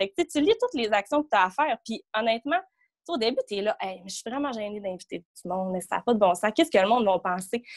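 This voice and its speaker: A woman with a Saguenay accent speaks at a fairly high pitch and a fairly quick pace, with lively intonation. Music plays in the background. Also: dry, close sound with no echo. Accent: Saguenay Quebec French. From Quebec, Saguenay. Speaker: new coach. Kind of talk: group video call testimony.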